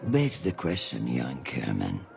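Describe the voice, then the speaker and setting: An actor playing a proud, steady veteran city enforcer who speaks in a measured, gently probing way. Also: male voice, very deep voice, vocal fry, soft background music, full character voice. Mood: earnest. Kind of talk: animated series dialogue.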